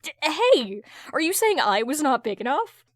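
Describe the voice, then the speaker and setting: A woman acts out an insecure man who talks himself up in an audio drama. He stammers and protests, flustered and quick to defend his pride, in a close, dry sound. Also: sits high, very animated, dry recording, voice pushed up. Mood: wounded, exasperated.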